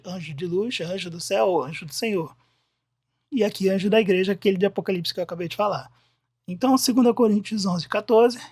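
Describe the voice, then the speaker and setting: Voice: mid-range voice, no room sound, clean studio sound. A teacher with a Brazilian Portuguese accent explaining Bible words from slides in a recorded lesson, talking conversationally, thinking aloud and often restarting sentences.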